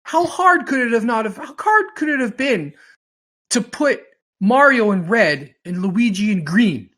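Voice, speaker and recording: A man's voice: very high voice, lively intonation, unhurried, fairly bright tone. A man chatting casually on a podcast, emphatic and exasperated, repeating himself to drive points home. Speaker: podcast host. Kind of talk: casual rambling podcast chat. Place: recorded podcast, audio only.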